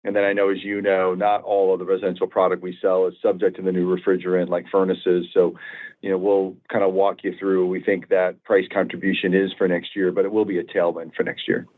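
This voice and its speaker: A man, a company executive, giving measured explanations to analysts on an earnings conference call. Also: sits low, completely flat delivery. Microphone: phone conference call. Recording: narrowband phone conference line.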